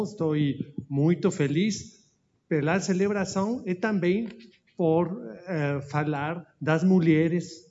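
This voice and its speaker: A man with a Spanish accent presents slides slowly and haltingly, often stopping to search for words. His voice sits a little high for a man. The audio is dull and lo-fi. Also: darkish tone. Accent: Spanish-speaking, mixing Spanish into Portuguese. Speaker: speaker at an anniversary event.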